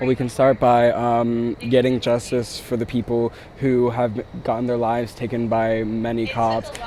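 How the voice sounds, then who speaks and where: A man with a medium pitch keeps a flat, monotone intonation at a moderate pace, with hardly any pauses and noticeable background noise behind him. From Morgantown, West Virginia. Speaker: protester. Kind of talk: street interview.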